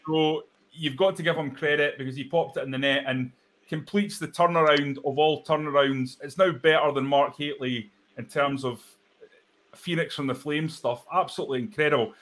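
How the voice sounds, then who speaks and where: A man in his thirties, hosting a live football reaction show from home over a video call, excitable and chatty with a croaky voice. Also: a little high, moderate pace, slight background noise. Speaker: host. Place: home room, indoors. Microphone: webcam video call.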